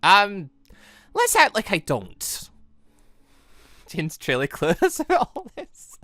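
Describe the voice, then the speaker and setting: A gaming host giving excitable, rambling commentary and reading visual novel dialogue aloud, often repeating words. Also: medium pitch, slow pace, no room sound, studio quality. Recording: music behind the voice. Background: background music.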